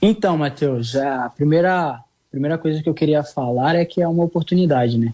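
A man with an Espírito Santo accent speaks at a fairly high pitch in a dark, mellow tone, with ordinary pitch variation and big swings in loudness. His pace is moderate, with hardly any pauses. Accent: capixaba accent, slightly like carioca. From Brazil, Espírito Santo (Vitória). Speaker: footballer. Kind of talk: interview. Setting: virtual studio.

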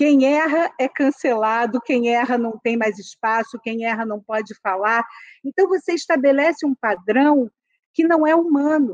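In a dry, close recording with no echo, a woman with a high pitch speaks at a fairly slow pace with lively intonation. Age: 50s. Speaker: judge and writer. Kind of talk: interview.

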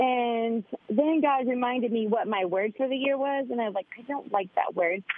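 This woman speaks with a Texan accent. Her intonation is lively. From Texas, Round Top area. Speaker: author and pie shop owner. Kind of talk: radio interview.

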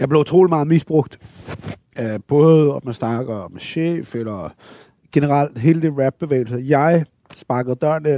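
A man's fairly high voice with a dark, mellow tone, ordinary pitch variation, big swings in loudness, a fairly slow pace, and long, frequent pauses, in a dry, close sound with no echo. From Scotland (Dundee), moved to Denmark at 10. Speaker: rapper. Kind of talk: casual chat.

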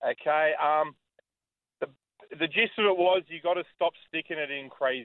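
A man speaks at a moderate pace with ordinary pitch variation. He takes long, frequent pauses. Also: fairly high pitch for a man. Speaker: radio host. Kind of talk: casual radio chat. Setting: radio studio.

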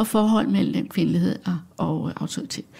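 A woman's slightly breathy voice moves along at a very slow pace. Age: 70s. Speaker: gender researcher. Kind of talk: casual interview. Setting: at her home.

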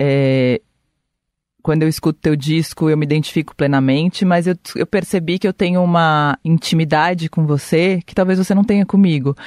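A woman's ordinary speaking voice, fairly low in pitch, with ordinary pitch variation, a moderate pace and a dry, close sound with no echo. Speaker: radio host. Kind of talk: interview.

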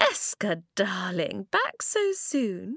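A woman puts on a character voice with very wide pitch swings and a fairly bright tone, speaking at a slow pace. The sound is dry and close with no echo, in a very clean recording with a silent background. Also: medium pitch for a woman.

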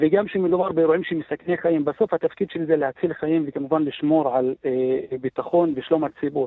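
Speaking at a fairly quick pace, a man uses a fairly high pitch and fairly even intonation. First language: Arabic (speaking Hebrew). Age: 30s. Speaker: police officer. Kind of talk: radio interview.

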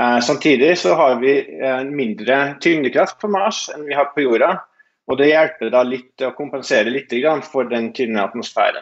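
The man speaks at a fairly high pitch with ordinary variation. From Norway. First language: Norwegian (speaking Danish). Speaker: aerospace engineer. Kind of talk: interview. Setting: Skype call.

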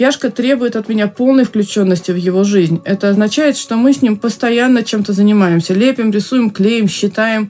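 Music in the background behind a woman's fairly high-pitched voice. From Moscow, Russia. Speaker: writer. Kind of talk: interview. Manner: halting.

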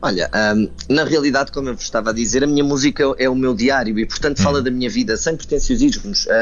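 This man talks very fast while noticeable background noise carries on. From Portugal. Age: 30s. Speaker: musician. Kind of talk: radio interview. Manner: halting, many fillers and repetitions.

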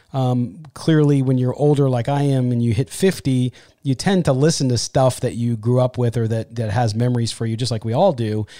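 A man talks at a moderate pace with a dark, mellow tone. His pitch is medium, with ordinary variation. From US West Coast, North San Diego County. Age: 50s. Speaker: podcast host and sports radio host. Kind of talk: casual chat.

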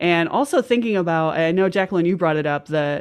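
With an American accent, a woman talks in a plain, everyday voice, fairly low in pitch with ordinary pitch variation. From Michigan, Flint. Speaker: comedian and former radio host. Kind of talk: casual chat.

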